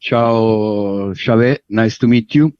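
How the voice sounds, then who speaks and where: A man from Italy with an Italian accent, asking questions on a video call in halting English full of fillers. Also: fairly low pitch, smooth, no echo. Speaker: call participant. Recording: dry, muffled online call audio.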